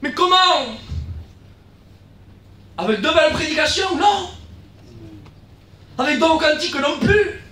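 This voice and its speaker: A man with a southern French accent preaching a sermon as guest pastor, building to shouts and dropping into quieter asides, often repeating himself. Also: very high-pitched, lively intonation, slow, pauses often. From South of France. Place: church hall. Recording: echoey church, from far off.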